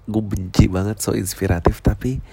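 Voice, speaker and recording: A man's voice: fairly low pitch, little pitch movement, normal speed, vocal fry, dark tone, a little hiss or hum. A man, a stand-up comedian talking casually and reflectively, full of slang, swearing and English phrases.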